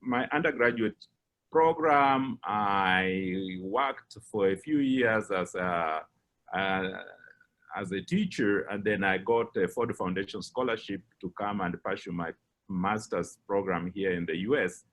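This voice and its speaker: A middle-aged man with a Kenyan English accent, giving a personal account as a guest speaker, measured and pausing with frequent fillers. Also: fairly low pitch, a bit bright. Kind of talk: personal account in a lecture talk.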